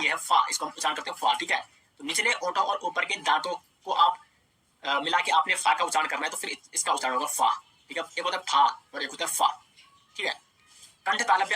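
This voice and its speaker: Young guy teaching hindi grammar online, super bright a bit husky voice, keeps asking the class questions then answering. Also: on the high side. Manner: explains step by step with rhetorical questions, repeats "dosto" and "theek hai". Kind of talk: online exam-prep lecture.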